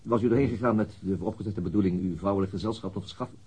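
A radio-play police investigator with a very husky, quick-spoken delivery. He is formal and persistent, putting probing questions with small hesitations. The tone stays soft and dark. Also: fairly low pitch. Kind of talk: radio drama acting.

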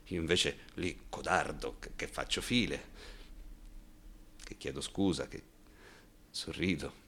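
An actor playing an anxious, bitter gay man recalling his frightened youth in a halting, confiding theatrical radio monologue. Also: rumbling low, pushed and bright, full character voice. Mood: bitter, haunted. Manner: confiding, halting and repetitive, breaking into bitter outbursts.

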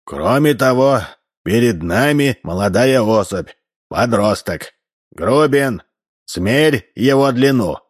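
A man reading an audiobook, voicing a pedantic old neighbour who lectures slowly. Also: medium pitch, expressive, husky, pitched above the performer's own voice. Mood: lecturing.

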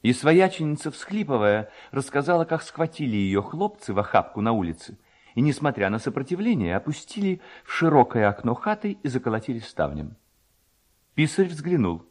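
Casting: male audiobook narrator, medium pitch, highly varied intonation, dramatic literary storytelling. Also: big pitch swings, normal speed, a little mellow.

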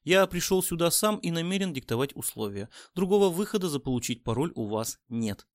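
A man's voice: fairly high pitch, big pitch swings, a little fast, dry recording, clean studio sound. A man voicing a steely, defiant businessman. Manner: firm, clipped, defiant. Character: defiant, steely male businessman held hostage.

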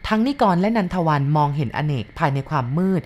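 Low-voiced woman reading a story. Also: lively intonation, quick pace, a little mellow. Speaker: narrator.

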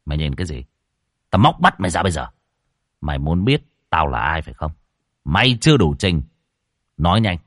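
A swaggering young exorcist taunts and threatens with rough bravado, as a man acts it out. His voice sits fairly low but leaps about with lively emphasis. The sound is close and dry. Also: fairly quick, long pauses, dry recording, heavily acted. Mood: menacing. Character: brash young male ghost exorcist, cocky and rough.

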